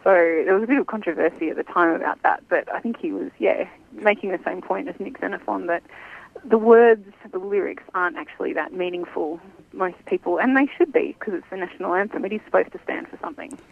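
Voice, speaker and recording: A woman's voice: on the low side, fast, vocal fry. A woman, a journalist speaking as a guest in a phone interview, chatty and thoughtful with fillers. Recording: tinny phone line.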